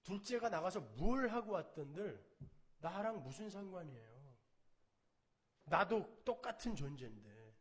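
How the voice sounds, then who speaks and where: A man preaching a sermon to a congregation, his voice sitting high and swinging widely in pitch. He is animated, raising his voice to act out quoted lines, then drops low and soft to press a point home. It sounds like a church sanctuary. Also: a little slow. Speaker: pastor.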